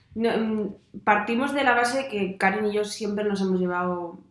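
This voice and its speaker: A woman keeps her intonation fairly even as noticeable noise runs in the background. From Madrid, Spain. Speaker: online florist business co-owner. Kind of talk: casual interview chat. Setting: recorded live in person, shared mic.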